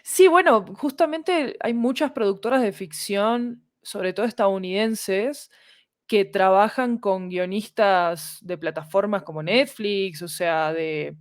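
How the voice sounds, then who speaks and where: A woman's voice: medium pitch, slow pace, no room sound, clean studio sound. A woman, talking analytically and emphatically as a guest in a casual conversation. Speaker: podcast guest, fiction producer.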